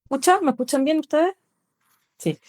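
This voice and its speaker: A woman giving an academic lecture over a video call, pausing with fillers and tag questions. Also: sits high, darkish tone. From Chile. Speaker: guest lecturer.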